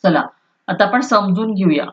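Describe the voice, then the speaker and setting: A woman's voice: mid-range voice, animated, normal speed, lo-fi sound. A woman teaching a school Marathi lesson, explaining step by step, repeating key terms and asking if students follow, sometimes restating points in Hindi.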